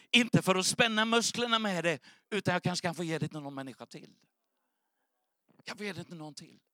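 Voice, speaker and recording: High, bright-voiced male preacher. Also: dry recording, clean studio sound. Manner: emotional, earnest testimony. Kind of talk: sermon storytelling.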